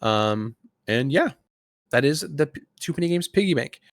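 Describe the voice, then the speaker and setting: A man co-hosting a casual gaming podcast, talking in a halting way with pauses mid-thought. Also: fairly high pitch, animated, no room sound, studio quality. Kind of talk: casual chat.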